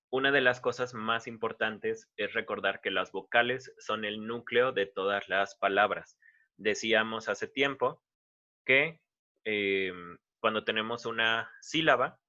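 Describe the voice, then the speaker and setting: A man explains a lesson in a relaxed, conversational teaching style, often restarting his sentences. His voice sits a little low but sounds bright and forward. The recording is dull and lo-fi. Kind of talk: informal online lecture.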